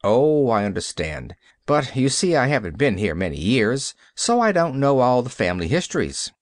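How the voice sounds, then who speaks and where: A man voicing a troubled, stern minister who speaks in a deep, grave preaching cadence. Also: big pitch swings, normal speed, dry recording, clean studio sound, natural voice. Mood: weary. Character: troubled, stern middle-aged male minister.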